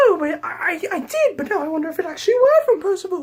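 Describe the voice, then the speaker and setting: A squeaky, put-on character voice at an extremely high pitch, with very wide pitch swings and a very fast pace. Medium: solo performance. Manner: hesitant, stammering.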